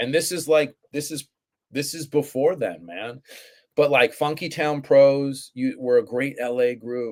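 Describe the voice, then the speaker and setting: In an animated tone, a man with fairly high pitch talks at a fairly slow pace, with ordinary pitch variation and big swings in loudness. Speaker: rapper. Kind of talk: interview.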